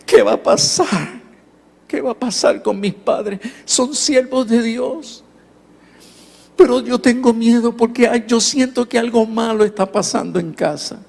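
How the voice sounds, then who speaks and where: A man voicing a frightened, tearful preteen boy who pleads haltingly and repeats his words. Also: sits high, pitched above the performer's own voice. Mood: tearful, fearful. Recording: long hall reverb.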